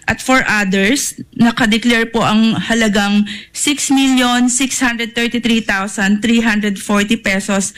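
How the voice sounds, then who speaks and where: A woman's voice: fairly high pitch, a bit bright, rough recording. A woman testifying as a witness at a hearing, formally reading long money amounts from records. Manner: formal, reads long peso amounts with polite particles.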